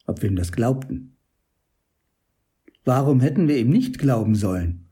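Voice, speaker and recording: A man's voice: mid-range voice, lively intonation, unhurried, warm tone, natural voice. A man playing a stubborn believer in a German audio drama, testifying intensely as he searches for words. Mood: earnest, remembering. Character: stubbornly believing man, defiant witness recalling youth. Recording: music under the voice.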